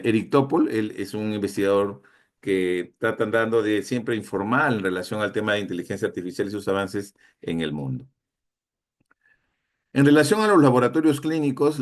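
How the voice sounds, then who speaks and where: A man with a fairly low voice gives a conference lecture. He talks in a hesitant way, with frequent fillers and restarted phrases.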